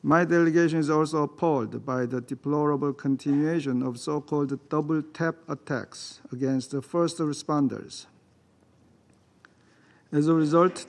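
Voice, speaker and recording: Man delivering a measured diplomatic statement. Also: fairly high pitch. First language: Korean. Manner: measured, deliberate reading with slight restarts. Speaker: UN Security Council delegate. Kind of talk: formal prepared diplomatic statement. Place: council chamber.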